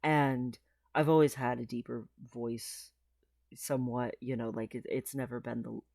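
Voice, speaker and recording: A man's voice: mid-range voice, little pitch movement, moderate pace, gravelly, a little mellow, no echo, clean studio sound. A trans man rambling through a casual video diary, with lots of fillers and frequent laughs, his voice sometimes cracking. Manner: chatty and rambling, many fillers, laughs often. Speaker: vlogger.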